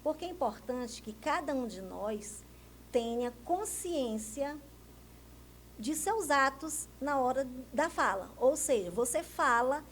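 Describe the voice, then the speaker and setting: A woman's voice: sits high, lively intonation, takes it slowly, a bit bright, a little hiss or hum, rough recording. A woman from Brazil, a speech therapist, explaining voice health in a TV interview and often answering her own questions. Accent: Brazilian Portuguese. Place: TV news studio.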